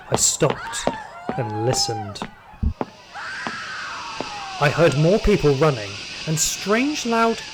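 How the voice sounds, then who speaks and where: A man's voice: mid-range voice, low-quality recording. A man playing a hardened, trigger-happy security guard, telling his story in dramatic first-person audio drama narration. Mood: dread, alert.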